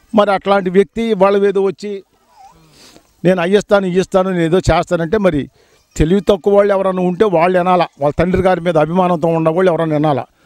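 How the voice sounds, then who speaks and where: A man with a high pitch speaks in fairly even intonation. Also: dry, close sound with no echo. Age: old. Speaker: retired police officer. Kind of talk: street interview answer. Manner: thoughtful.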